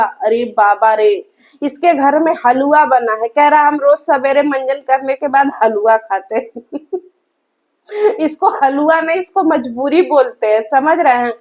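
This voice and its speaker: High-pitched mocking woman vlogger. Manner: mocking, scolding, addresses viewers as guys. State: sore throat. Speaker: reaction vlogger. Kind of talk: roast reaction commentary.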